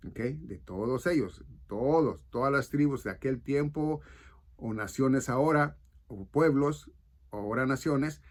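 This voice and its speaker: A man teaching the Bible in a video, often checking in with his listeners and restarting his phrases. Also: mid-range voice. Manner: checks in with frequent "ok?" and "right?"; halting, restarts mid-phrase.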